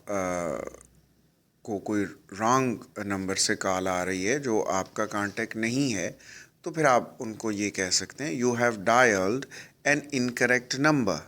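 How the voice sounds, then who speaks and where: A man with a South Asian accent teaching spoken English, explaining and repeating example phrases slowly and deliberately. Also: on the low side, fairly bright tone.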